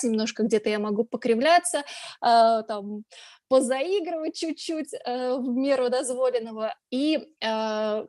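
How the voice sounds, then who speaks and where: A woman's voice: fairly high pitch, a little mellow, no echo, clean studio sound. A woman from Russia, a blogger and journalist, giving a conference presentation in a chatty way, with frequent filler sounds and restarts.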